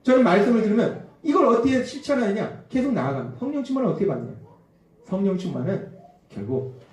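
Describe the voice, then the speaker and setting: A man preaching a Sunday sermon, acting out quoted voices and dropping to a hush at times, recorded from a distance in a church. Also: high-pitched, fast. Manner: animated, acts out quoted voices, drops to a hush. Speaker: pastor. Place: church sanctuary. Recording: echoey church hall from a distant mic.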